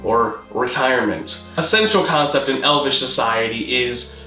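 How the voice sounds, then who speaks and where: A man narrating a scripted mock-documentary explainer in a formal, measured, deadpan manner. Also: mid-range voice, echoey room, soft background music. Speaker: presenter of a constructed-language video.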